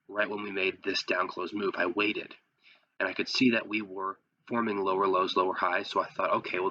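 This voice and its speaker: A man with a lowish but bright, forceful voice that sounds a bit sick. He walks through material like an informal online instructor, step by step, asking and answering his own questions. The recording is slightly dull and lo-fi. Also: slight background noise. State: sick, voice affected by illness. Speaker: host, trading instructor. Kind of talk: casual tutorial commentary over trading charts.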